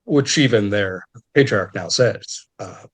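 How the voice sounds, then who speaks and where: A man talks as a historian guest in an unscripted conversation. His explanations are detailed and scholarly. He often restarts phrases, and his pitch jumps up when he stresses a point. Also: measured pace, slightly rough.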